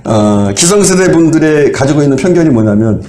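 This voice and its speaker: A man's voice: on the high side, lively intonation, a little fast, dark tone, reverberant. A male pastor preaching a sermon in a conversational way, putting rhetorical questions to the congregation and listing examples in short phrases. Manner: lists items one by one in short phrases. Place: church sanctuary.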